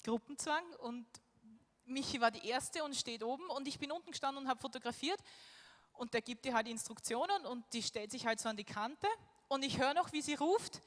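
A woman's voice: sits high, a little fast. A woman giving a personal testimony, acting out her own thoughts as she tells it. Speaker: speaker sharing a personal story. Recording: echoey hall.

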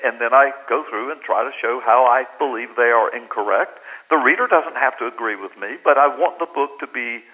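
An American man, an author and guest, telling his story with earnest, animated delivery. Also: medium pitch, fairly quick, breathy edge, muffled recording. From United States. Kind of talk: storytelling interview.

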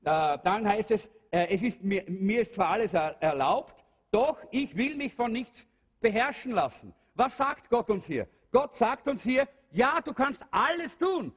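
A man with a husky, breathy voice preaches a sermon to his congregation. He speaks earnestly and asks many rhetorical questions. A long reverb from the church hall hangs on every phrase. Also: high voice, big pitch swings, unhurried. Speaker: pastor.

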